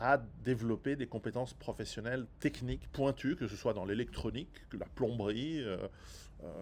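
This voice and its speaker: Vocal fry marks a man's medium-pitched voice. He talks at a moderate pace with ordinary pitch variation. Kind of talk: casual talk to camera.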